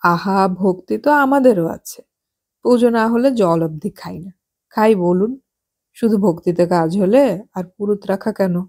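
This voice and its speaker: A woman voicing a nosy, gossipy well-off married woman in an audiobook, chatty and sharp-tongued. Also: medium pitch, measured pace. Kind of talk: audiobook character voice.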